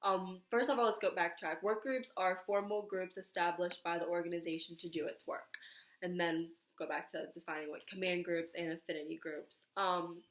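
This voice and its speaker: A young woman under the weather, her stuffed-up voice sitting somewhat low and a little raspy. She walks through her presentation slide by slide, reading the points aloud and filling gaps with ums and small restarts. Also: fairly even intonation, moderate pace, a little hiss or hum. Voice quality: slightly raspy. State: nasal congestion, under the weather. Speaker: student presenter. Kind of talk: recorded class slide presentation.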